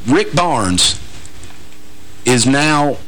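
A man, hosting a radio interview in a teasing, joking way with halting restarts. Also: medium pitch, big pitch swings, a bit bright. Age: 40s. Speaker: radio show host. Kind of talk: casual interview chat.

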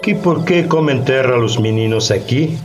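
A man's voice: mid-range voice, over music, lightly acted. An actor playing a weary old Black Brazilian peasant man in a Spanish-language radio play, rustic, rambling and brooding. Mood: weary, bitter. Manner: rustic, rambling, brooding, with slow drawn-out phrases. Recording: noisy recording with loud ambient background.

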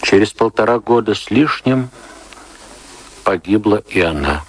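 A man giving scripted narration for a radio drama in a solemn, measured manner. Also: on the low side, rough recording.

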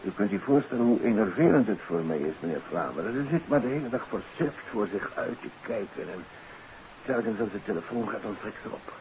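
A man's voice: on the low side, lively intonation, brisk. An actor playing a worried, polite middle-aged doctor and father in a 1950s radio drama, speaking hesitantly and apologetically. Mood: anxious, distressed. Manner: hesitant, apologetic, often tagging sentences with questioning particles. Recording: noisy, muffled old radio recording.

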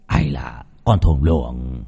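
A man voicing a blunt old male exorcist who mutters gruffly. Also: extremely low pitch, slow, warm tone, pitched below the performer's own voice, heavily acted. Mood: pondering. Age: older.

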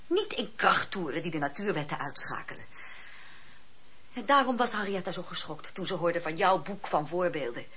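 A woman playing an earnest, compassionate and questioning devout lady in a Dutch radio play, with deliberate, emphatic phrasing. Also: lowish voice, expressive, a bit bright, husky. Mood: earnest, challenging. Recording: dull old radio recording with hiss.

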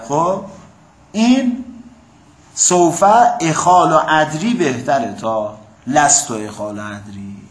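A man gives a classroom lecture in a slightly high voice, working through the grammar point by point. He keeps asking the students whether they follow. The room is echoey, with a faint hum underneath. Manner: explanatory, asks the class "got it?". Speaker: teacher of Quranic exegesis and Arabic.

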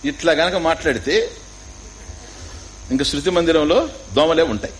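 A man's voice: fairly high pitch, moderate pace, slight background noise, rough recording. A man with a Telugu accent giving a spiritual discourse on scripture, teaching through questions and repetition and mixing in English words. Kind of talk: Upanishad discourse.

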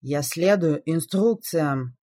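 A man voicing a relentless female robot who speaks in a slow, dutiful, flat contralto. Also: fairly high pitch, no room sound, pitched above the performer's own voice. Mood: cold dutiful.

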